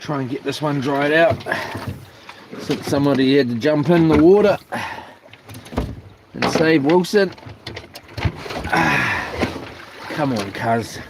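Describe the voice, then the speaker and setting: A man's voice: fairly high pitch, slow pace, gravelly, long pauses. A man with a broad New Zealand accent and colloquial slang, talking casually and half to himself as he vlogs outdoors. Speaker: vlogger. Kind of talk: casual outdoor vlog chat. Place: outdoors on a small boat on water. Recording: noisy outdoor boat recording.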